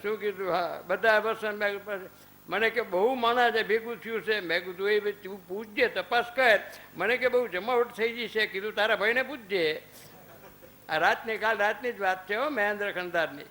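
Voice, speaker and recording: A man's voice: sits high, moderate pace, bright, forceful tone, a little hiss or hum, rough recording. A man in his fifties giving a religious discourse at an ashram, telling stories with quoted dialogue and rhetorical questions. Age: 50s. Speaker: spiritual discourse speaker. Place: ashram hall.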